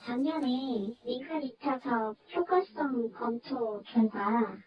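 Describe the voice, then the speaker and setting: A city official explaining a decision in an official tone, heard through a voice disguise for anonymity. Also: slow pace. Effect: voice disguised by pitch-shifting for anonymity. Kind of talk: recorded interview clip. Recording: dull echoey clip with crowd noise.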